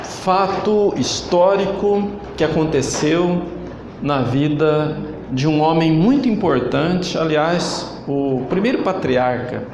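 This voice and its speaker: Man, Brazilian Portuguese accent, church leader preaching, unhurried and emphatic, fairly high voice, roomy church sound. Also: animated, noisy background. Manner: slow, emphatic preaching with call-and-response. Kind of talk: online sermon. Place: church hall.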